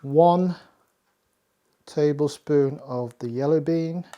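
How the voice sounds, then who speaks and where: A man's voice: fairly high pitch, slow, muffled recording. A man hosting a casual home cooking tutorial, chatty and self-deprecating as he walks through each step. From Hakka Chinese family. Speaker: cooking show host.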